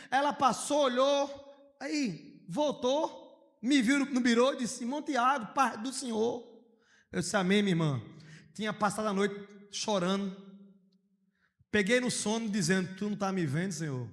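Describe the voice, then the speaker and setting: A man preaching a sermon as pastor, telling personal stories, moving between hushed storytelling and loud outcries. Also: extremely high pitch. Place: church hall. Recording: long reverb of a church hall.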